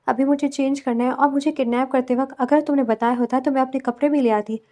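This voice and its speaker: A woman reading a story and voicing a defiant young bride who answers with quick, teasing retorts. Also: high voice, fairly even intonation, mellow, lightly acted. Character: sharp-tongued young bride, defiant and feisty.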